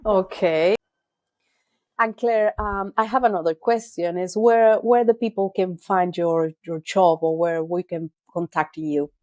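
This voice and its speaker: A woman's voice: lowish voice, measured pace, darkish tone. A woman hosting a podcast, asking earnest, reflective questions in long winding sentences. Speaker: podcast host. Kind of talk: conversational interview.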